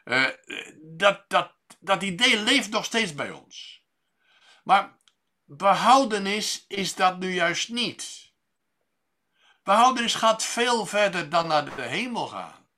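Bright-voiced preacher, measured and pausing. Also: male voice, sits high, lively intonation. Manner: measured, pausing with fillers and restarts. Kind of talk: sermon.

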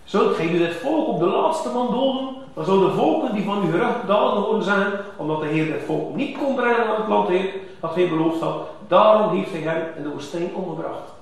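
A man's voice: sits high, expressive, a little fast. A man preaching a sermon, emphatic, with rising exclamations. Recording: echoey church hall from far off.

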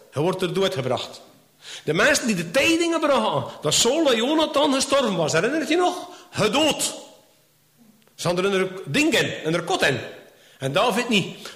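A man preaches from the Bible with a high voice that leaps up and down as he acts out the story. He keeps checking in with his listeners, and the room around him rings with echo. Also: a bit bright. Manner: retells scenes in acted voices, with frequent "hè?" tags. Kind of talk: Bible teaching, retelling a story.

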